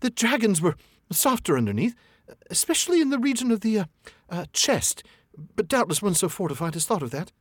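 A man voicing a small, nervous male hobbit with a high, squeaky, flattering voice. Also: fairly quick, dry recording, clean studio sound. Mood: frightened.

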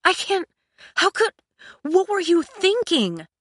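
Woman acting out young male emperor, audiobook character, indignant, commanding, bright edge, close dry recording. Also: on the high side, lively intonation, normal speed, dry recording, voice pushed up. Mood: exasperated. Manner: emphatic, exasperated, commanding.

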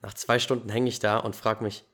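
A man hosting a podcast, telling his own story in a lively, casual way with youthful slang. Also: lowish voice, a little fast. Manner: animated storytelling, laughs easily, youthful slang. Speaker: podcast host.

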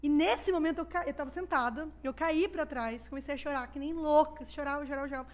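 Woman, Brazilian Portuguese accent, pastor, podcast testimony, rapid delivery, acts out quotes. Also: high voice. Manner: animated storyteller who acts out quoted dialogue. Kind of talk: personal testimony in a podcast chat.

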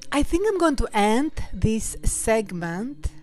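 A woman hosting a casual holiday podcast in English, which is not her first language, talking in a relaxed way with fillers and small laughs. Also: a little high, takes it slowly. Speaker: podcast host. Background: soft Christmas music.

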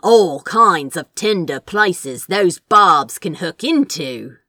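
A woman's voice: fairly low pitch, expressive, slow, pushed and bright, dry recording, studio quality, full character voice. A woman voicing a wry, vengeful male sorcerer in a fantasy story reading. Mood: taunting, menacing. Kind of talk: expressive fan fiction character reading.

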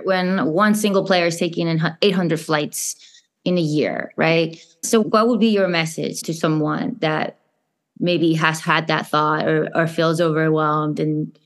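A woman hosting a podcast interview, friendly, asking questions. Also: low voice. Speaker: podcast host.

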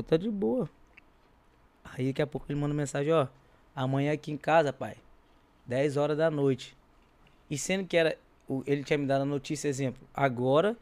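A man with a Brazilian accent talks as a guest in a casual interview. His voice sits a little high for a man and crackles with fry. He tells his stories in loose, slangy everyday speech. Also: darkish tone. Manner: slangy, informal. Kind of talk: casual chat, animated storytelling.

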